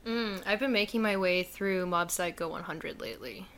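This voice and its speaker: A woman's voice: fairly low pitch, normal speed, a bit bright. Giggly young woman in casual chat. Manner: giggly, easygoing, talks about anime.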